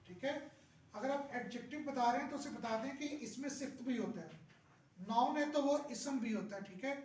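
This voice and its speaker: A man leads a teacher-training session, quizzing his listeners and drilling words back at them. His voice sits fairly high, and he sounds set back from the microphone in a reverberant room. A faint hum of ambience lies underneath. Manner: keeps asking the room questions and drilling words; repeats phrases slowly for emphasis. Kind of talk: workshop lecture. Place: lecture room. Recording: roomy echo, distant mic, faint background ambience.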